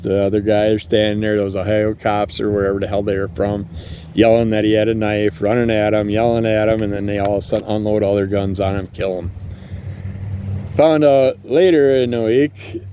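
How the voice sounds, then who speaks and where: Recorded outdoors at night, with fireworks going off in the distance and vehicles passing, a man hosts a solo podcast. His voice is on the low side and dark, with slight background noise. Living with multiple sclerosis, he rants casually, angry, blunt and profane.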